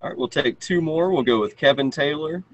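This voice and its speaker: A man in his thirties briskly moderating a press conference over a video call. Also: fairly high pitch, low-quality recording. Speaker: media relations moderator. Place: indoor room, on video call. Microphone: video call, speaking through face mask.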